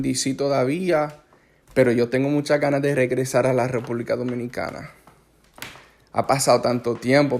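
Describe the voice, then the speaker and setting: Gravelly Puerto Rican man chatting. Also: mid-range voice, darkish tone. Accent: Puerto Rican Spanish. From Puerto Rico. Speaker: host chatting with a relative. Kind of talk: casual conversation.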